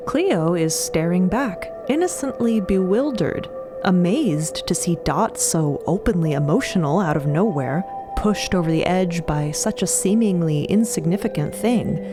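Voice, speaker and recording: A woman narrating scripted audio fiction dramatically, in measured, deliberate phrases. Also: on the low side, animated. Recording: music bed under the voice. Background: music.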